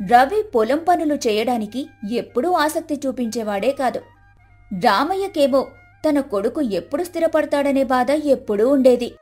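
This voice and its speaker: A woman narrates a scripted story in a high-pitched voice. Soft music runs underneath her storytelling.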